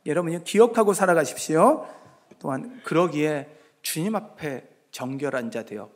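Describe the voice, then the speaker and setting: A male pastor giving a sermon, moving between hushed asides and loud, emphatic exhortation, now and then acting out his listeners in dialogue. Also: on the high side, expressive, normal speed. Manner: acts out congregants' voices in dialogue. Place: church sanctuary. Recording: long reverb of a church sanctuary.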